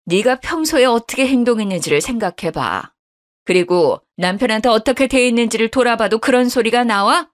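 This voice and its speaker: A woman's voice: on the high side, lively intonation, fairly quick, pitched above the performer's own voice, close to an everyday voice. A woman voicing an angry young husband who scolds his wife with contempt. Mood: scornful.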